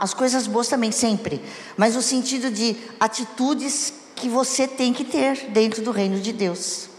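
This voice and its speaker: Lady preaching about marriage, chatty, keeps asking the crowd stuff, big echoey church sound. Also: a little high. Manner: conversational, asks the congregation questions. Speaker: church speaker. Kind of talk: sermon on marriage. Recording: echoey hall with long reverb.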